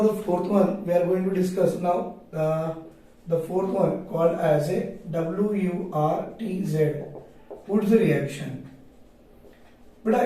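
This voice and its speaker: Male teacher, South Asian accent, high mellow voice, question-and-answer lecturing with repeated phrases. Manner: asks questions and answers them himself; repeats phrases for emphasis, addresses students affectionately. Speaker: chemistry teacher. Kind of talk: classroom lecture for a video lesson. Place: echoey room, recorded away from the microphone. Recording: very echoey room, distant microphone.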